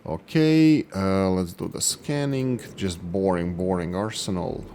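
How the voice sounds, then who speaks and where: A man's voice: low voice, a little slow, dark tone, slight background noise. A man hosting a gaming channel, giving gameplay commentary and thinking aloud as he works through production numbers.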